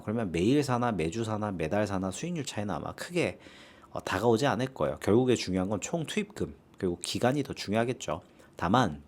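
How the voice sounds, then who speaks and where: A man with a fairly low voice speaks through a sore throat, casually answering viewer questions as the host of an investing channel. His pitch moves around a lot, and he keeps tossing in little rhetorical tag questions.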